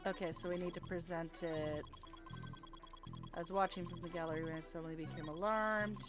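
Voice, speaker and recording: A woman's voice: lowish voice, fairly even intonation, brisk. A woman hosting a let's play, reading video game dialogue aloud and chatting casually. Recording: game music behind. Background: video game music.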